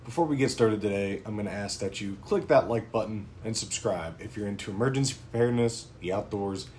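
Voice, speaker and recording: A man's voice: lowish voice, fairly quick, a little mellow, a little hiss or hum. A man in his thirties from Pennsylvania hosting a prepping channel, talking informally to camera from a small home office with frequent ums. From Pennsylvania, United States. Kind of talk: casual talking-head vlog.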